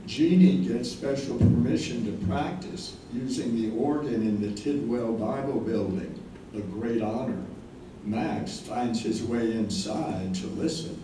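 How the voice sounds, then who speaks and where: Man as slow stage narrator, very echoey. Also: mid-range voice, natural voice. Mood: measured. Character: measured male narrator of a stage play. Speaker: play narrator. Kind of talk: scripted narration. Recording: very echoey, noisy hall, far from mic.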